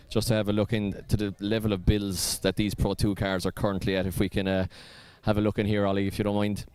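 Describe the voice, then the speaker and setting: A man's voice: on the low side, clean tone. An Irish man presenting at a drift event, walking the pits and chatting with drivers in an upbeat way. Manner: chatty, upbeat, fills with ums. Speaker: pit lane presenter. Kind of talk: live event pit-walk interviews.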